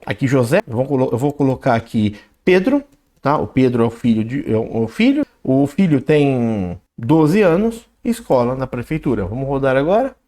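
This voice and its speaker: A man teaches programming in a screen-recorded coding lesson. He explains as he types and reads the output aloud, often adding a quick "né?". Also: mid-range voice, sing-song, dark tone. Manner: talks while typing code, reads output aloud, frequent "né?" and "ok?". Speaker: programming instructor.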